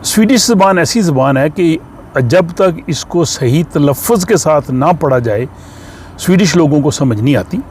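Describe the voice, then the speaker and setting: Male teacher, slightly higher voice, patient and explanatory, faint street noise. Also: expressive, a little mellow. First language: Urdu. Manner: patient and explanatory, with many pauses and filler sounds. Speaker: language teacher. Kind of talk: explanatory lesson.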